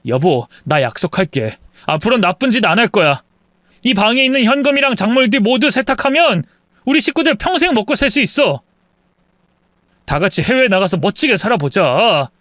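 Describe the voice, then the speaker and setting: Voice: medium pitch, sing-song, moderate pace, a bit bright, no room sound, studio quality. A performer voicing a husband from a family of thieves who pleads with his wife in a wheedling way. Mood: pleading.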